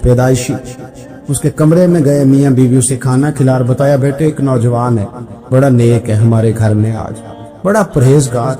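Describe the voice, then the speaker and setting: A male preacher with a fairly high voice tells stories in an emotional sermon. He sinks to quiet, intimate quoting and then climbs to raised exclamations. Faint music sits under his voice. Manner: sways between hushed quoting and raised exclaiming.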